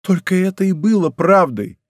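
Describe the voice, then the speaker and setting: A desperate young woman pours out her love and begs to be believed, as a male audiobook reader puts her on. The voice rides high and fervent, tearful and pleading. It is recorded dry and close, with no room around it. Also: moderate pace, dry recording, lightly acted. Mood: passionate confession. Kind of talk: audiobook character reading.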